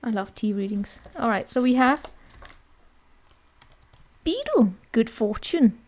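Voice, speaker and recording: A woman's voice: on the high side, animated, slow pace, a little mellow. A woman giving a casual tarot reading in a chatty, rambling way, often checking in with the listener. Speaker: tarot reader.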